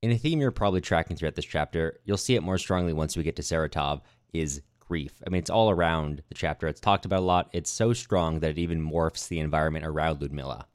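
A man's voice: extremely low pitch, fast, hardly any pauses, no echo, studio quality. A man co-hosting a conversational book discussion, speaking in an articulate, explanatory and reflective way. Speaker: podcast co-host.

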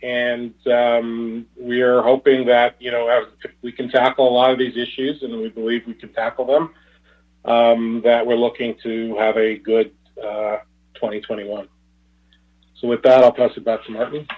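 Halting male executive on a tinny phone line. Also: medium pitch, level tone. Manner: halting, hesitant, repeats words. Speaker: company executive. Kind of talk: earnings call commentary. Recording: tinny narrow phone-line conference call.

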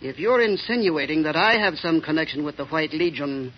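Man as high-voiced evasive editor, blustering, dull old recording. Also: a little fast, natural voice. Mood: defensive. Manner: defensive, blustering. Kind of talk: 1930s radio drama acting. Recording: dull radio recording with faint hiss.

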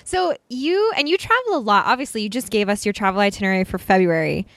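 A woman's voice: mid-range voice, expressive, quick pace, a bit bright, no echo. A woman hosting a podcast interview, asking questions and reacting in an encouraging way. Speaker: podcast host. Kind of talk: casual interview chat.

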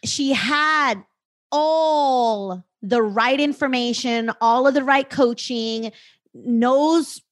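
A woman co-hosts a finance podcast with an emphatic, casual manner. Her voice is high. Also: drawn-out words. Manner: emphatic, says dude a lot. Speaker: podcast co-host, finance coach. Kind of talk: casual commentary.

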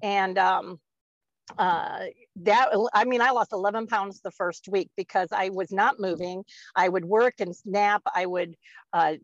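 A podcast guest in her fifties talks a little slowly in a steady, medium-pitched voice, rambling casually with lots of fillers and frequent laughter. Her audio is dull, lo-fi, and dry, with no echo.

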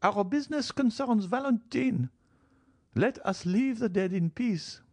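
A man's voice: sits high, expressive, unhurried, darkish tone, husky, no echo, pitched above the performer's own voice, heavily acted. A man reading an audiobook, voicing a frail, commanding old marchioness who talks feverishly of death. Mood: imperious, feverish.

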